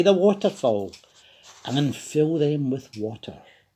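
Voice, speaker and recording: Speaking in a Glasgow accent at a very slow pace, a man swings his pitch very widely, captured in a very clean recording with a silent background. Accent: Scottish (Glasgow). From Glasgow, Scotland. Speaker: storyteller. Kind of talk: read story.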